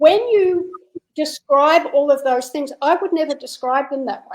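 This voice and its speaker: Speaking with an Australian accent, a woman uses lively intonation at a high pitch on a very clean recording with a silent background. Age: 60s. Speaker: holistic healing guest speaker. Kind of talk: podcast interview.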